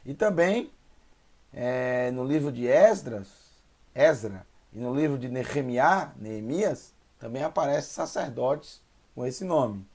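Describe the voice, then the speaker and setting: A man with a Brazilian Portuguese accent teaching beginner Hebrew, sounding out syllables slowly and repeating each word. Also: medium pitch, animated, a little mellow. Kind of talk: slow beginner language lesson.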